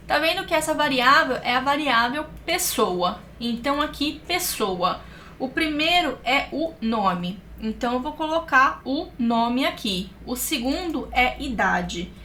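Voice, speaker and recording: A woman's voice: on the high side, pushed and bright, a little hiss or hum. A woman teaching a programming course, explaining each step directly to her viewers. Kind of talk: screencast coding tutorial.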